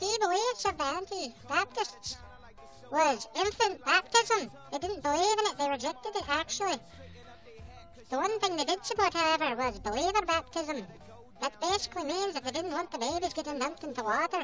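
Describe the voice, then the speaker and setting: A put-on character voice speaks at an extremely high pitch and a moderate pace. Clear music plays in the background. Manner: teaching, voice-changed.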